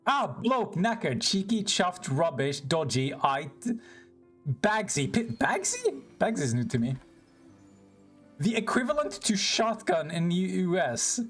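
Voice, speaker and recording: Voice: mid-range voice, big pitch swings, measured pace, a bit bright, faint music behind. A streamer giving casual gameplay commentary, chatting with viewers between frustrated yelps and swearing.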